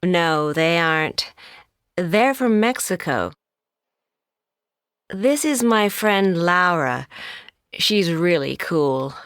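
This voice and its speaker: A woman playing a friend who introduces her friends, speaking very slowly and carefully. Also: fairly low pitch, animated, a bit bright, clear, resonant tone, no echo, studio quality, heavily acted. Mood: friendly. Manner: very slow, careful.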